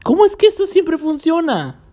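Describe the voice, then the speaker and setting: A man's voice: extremely high pitch, sing-song, moderate pace, mellow, a little hiss or hum. Man as an exasperated, sarcastic teenage cartoon hedgehog.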